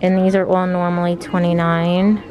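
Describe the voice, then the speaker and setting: A woman's voice: fairly low pitch, level tone, normal speed, highs cut off, a crowd in the background. A young woman chatting casually as she films herself shopping in a clothing store, talking with lots of "like" fillers. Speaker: fashion vlogger. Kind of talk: casual shop-with-me narration. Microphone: handheld phone camera. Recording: background music playing over voice.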